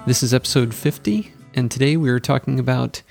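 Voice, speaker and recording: A man's voice: mid-range voice, fairly quick, vocal fry, no echo, faint music behind. A man co-hosting a podcast, chatting casually and rambling, often laughing. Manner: rambling, laughs often, breaks into a loud wedding DJ voice. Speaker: podcast co-host. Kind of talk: casual chat.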